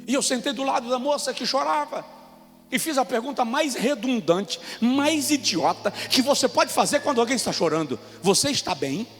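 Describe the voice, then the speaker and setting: A Brazilian pastor with a Brazilian Portuguese accent delivers an impassioned sermon. His voice sits very high for a man and moves between quiet appeals and sudden shouts. The hall rings with a long reverb, and soft music plays underneath. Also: expressive, normal speed. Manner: impassioned preaching that swings from hushed to shouted. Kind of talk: sermon with personal stories.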